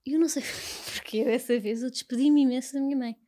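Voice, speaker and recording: A young woman with a European Portuguese accent, speaking as an interview guest in a soft, halting, reflective way. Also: sits high, steady tone. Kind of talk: personal conversation.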